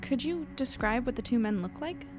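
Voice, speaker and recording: A woman's voice: fairly high pitch, expressive, moderate pace, over music, lightly acted. Woman acting earnest, tentative female reporter. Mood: gently questioning. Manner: conversational, self-deprecating, tentative. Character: earnest, anxious female reporter narrating her investigation. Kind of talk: naturalistic audio drama acting and narration.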